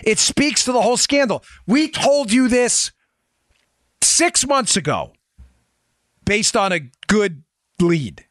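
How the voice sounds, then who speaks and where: A man's voice: sits high, sing-song, takes it slowly, pauses often, fairly bright tone, dry recording, studio quality. A man hosting a political talk show in an emphatic, insistent monologue, firing rhetorical questions at his listeners.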